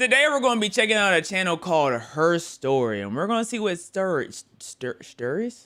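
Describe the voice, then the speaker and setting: A man's raised, projected voice sounds animated, high in pitch and full of very wide swings. He speaks fairly quickly, in a very clean recording with a silent background. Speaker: live streamer. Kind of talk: casual live stream chat. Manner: stuttering.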